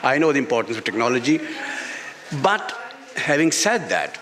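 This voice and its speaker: Bright-voiced Pakistani man in a reverberant space. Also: medium pitch, big pitch swings. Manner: halting, repeats phrases emphatically. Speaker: author being interviewed. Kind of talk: unscripted on-stage literary interview. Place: literature festival stage before an audience. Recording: reverberant public-address sound at festival.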